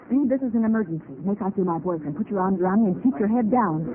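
An actress playing a bossy, quick-thinking detective's secretary with a brisk, commanding manner in a 1940s radio drama. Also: female voice, medium pitch, animated, close to an everyday voice. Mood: urgent, hushed. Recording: tinny old radio recording with crowd noise.

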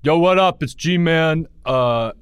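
A man's voice: a little high, slow, smooth, dry recording, studio quality, pitched above the performer's own voice. A man voicing a boastful schoolboy YouTuber as a slangy, self-assured podcast character. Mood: cocky. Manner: slangy, boastful, hesitant fillers.

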